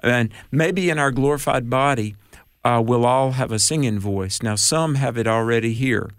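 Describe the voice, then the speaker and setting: Animated man quoting scripture on radio. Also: mid-range voice, moderate pace, dry recording, studio quality. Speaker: radio show guest and apologist. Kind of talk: casual radio chat.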